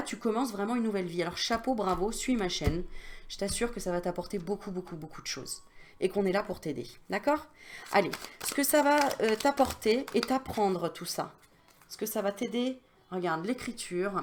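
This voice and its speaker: A woman's voice: mid-range voice, darkish tone, slight background noise. A woman medium giving a casual card reading straight to the viewer, chatty and familiar, coaxing and reassuring with lots of fillers.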